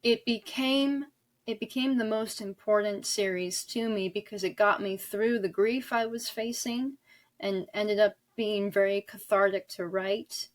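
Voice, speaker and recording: A woman in her twenties talking reflectively as an interview guest, often halting as she searches for words. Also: medium pitch, steady tone. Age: 20s. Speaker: guest author and audio drama creator.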